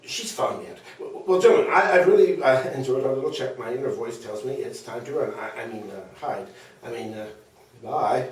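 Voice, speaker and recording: A man's voice: medium pitch, brisk, a little hiss or hum, close to an everyday voice. A man at a table read playing a wry, self-deprecating old philosopher in a comedy, hesitant and playfully pompous. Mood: flustered. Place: small meeting room around a table. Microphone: far camera or table recorder. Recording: very echoey meeting room, distant mic.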